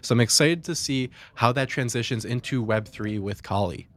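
Man, casual co-host, relaxed slangy talk, dry close mic. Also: mid-range voice, moderate pace, dry recording. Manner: casual, relaxed, says "bro". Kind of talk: casual chat.

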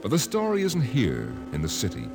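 An actor narrating a 1950s radio drama in a grave, terse, portentous style. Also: male voice, medium pitch, wildly swooping pitch, fairly quick, vocal fry. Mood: ominous. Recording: old radio broadcast over music.

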